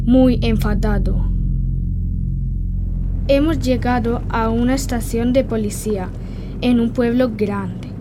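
A woman's voice: on the high side, background noise. A woman reading a scripted first-person diary in the voice of a young girl, simple and intimate. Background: soft background music.

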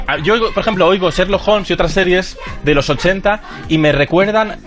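A man's voice: sits high, brisk, fairly bright tone, soft background music. Chatty man on radio. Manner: chatty and nostalgic, hums and sings snippets. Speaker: radio TV-history pundit. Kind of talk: casual radio chat.

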